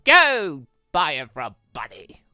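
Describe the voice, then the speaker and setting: Let's player, excitable, bright forceful voice, animated pitch swings, rambling casual commentary, close dry sound. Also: slow pace, clean tone, no echo, soft background music. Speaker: video game let's player. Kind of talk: casual gameplay commentary, reading dialogue aloud.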